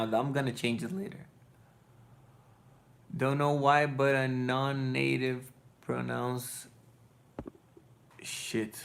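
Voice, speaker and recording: A man in his thirties with a Brazilian accent, sleepy and rambling loosely as he answers chat on a live stream from his living room. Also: mid-range voice. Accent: Brazilian Portuguese. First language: Portuguese. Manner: loose, digressive, self-correcting, blunt. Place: living room with couch and colored lights.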